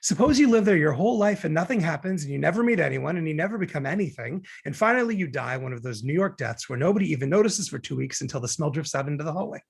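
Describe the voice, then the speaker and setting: A man's voice: a little high, animated, quick pace, creaky, hardly any pauses, slightly rough, full character voice. A man playing a glib, cynical young law graduate who argues and needles in a script table read. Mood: dry, probing. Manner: sardonic, argumentative, needling.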